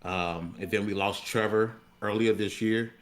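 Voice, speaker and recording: Man, American accent, fairly deep voice, podcast host, colloquial, unscripted, repeats words. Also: fairly even intonation, unhurried. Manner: colloquial, repeats words while searching for phrasing. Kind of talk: casual unscripted talk.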